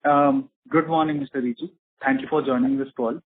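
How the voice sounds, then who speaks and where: A man with an Indian accent answers investor questions as a company executive. His voice is a little rough at a middling pitch, and his delivery is formal and measured. It comes through a narrow, thin phone connection. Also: steady tone. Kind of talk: earnings call question and answer. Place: conference call. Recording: muffled narrowband phone line, slightly rough.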